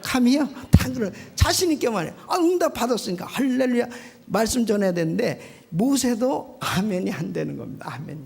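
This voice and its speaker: A pastor from Korea delivers a sermon with a gravelly, husky voice. The pitch swings widely as they keep prodding the listeners with quick questions. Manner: animated, keeps prodding the congregation with quick questions.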